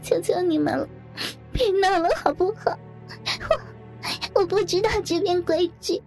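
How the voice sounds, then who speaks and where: A woman's voice: extremely high pitch, moderate pace, a little mellow, faint music behind, voice pushed up. A woman playing a sobbing, terrified bridesmaid. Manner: stammering, trembling pleas. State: crying. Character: frightened young bridesmaid, sobbing and pleading.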